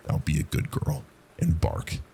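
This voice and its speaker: A man voicing a cruel, domineering middle-aged aunt in a horror story, menacing and commanding, with a gravelly voice. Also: measured pace, mellow, a little hiss or hum, lightly acted. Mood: stern, commanding.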